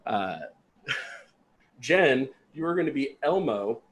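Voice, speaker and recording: A man hosting an improv show, casually and haltingly explaining a game to players. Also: medium pitch, lively intonation, fairly bright tone. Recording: noisy video call audio.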